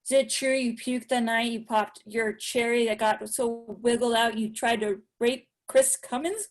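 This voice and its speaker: A woman's voice: fairly high pitch, fairly even intonation, measured pace, natural voice. A woman playing a sleazy, bossy male burger-joint boss in a film script table read, talking bluntly. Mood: lecturing. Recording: online video call table read.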